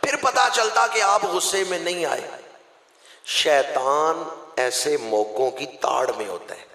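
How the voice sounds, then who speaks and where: A man from Pakistan with a Pakistani Urdu accent, delivering a sermon as a preacher. He swings between loud, declaiming passages and hushed storytelling. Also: on the high side, expressive, takes it slowly, creaky. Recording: echoey hall with long reverb.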